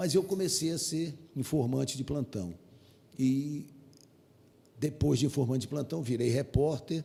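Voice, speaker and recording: At a moderate pace with long, frequent pauses, the voice sounds somewhat breathy, with a dark, mellow tone and ordinary pitch variation. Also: man. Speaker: sports radio broadcaster. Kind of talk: casual interview.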